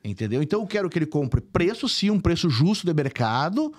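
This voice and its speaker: A man's voice: fairly high pitch, very animated, fairly quick, a little mellow. A man in his forties from southern Brazil, with a faint gaúcho accent mixed with São Paulo traces, speaking as a guest in a casual interview with many restarts and tag questions. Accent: mixed Brazilian Portuguese, gaúcho with São Paulo traces. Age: 40s. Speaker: company CEO, podcast guest.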